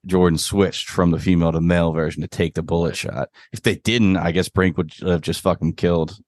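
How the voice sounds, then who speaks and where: Very deep-voiced laid-back young man. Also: steady tone, a little fast, darkish tone, dry recording. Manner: laid-back, swears casually. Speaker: podcast co-host. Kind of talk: casual chat reviewing a TV show.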